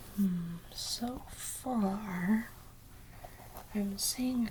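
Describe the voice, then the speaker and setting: Someone soft-spoken talks over noticeable background noise. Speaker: ASMR creator. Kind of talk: ASMR role-play, soft-spoken scalp scratching.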